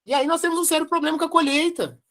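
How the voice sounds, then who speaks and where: A woman's voice: sits high, rapid-fire, fairly bright tone. A woman with a Brazilian Portuguese accent giving a devotional study commentary, emphatic, repeating key phrases and asking rhetorical questions. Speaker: Spiritist study presenter.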